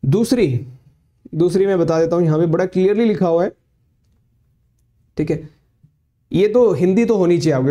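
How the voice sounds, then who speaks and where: Mellow-voiced man explaining exam rules. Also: fairly high pitch. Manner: explanatory, repeats points, mixes English phrases; reads notification lines aloud slowly. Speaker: law exam coach. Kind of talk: exam guidance lecture.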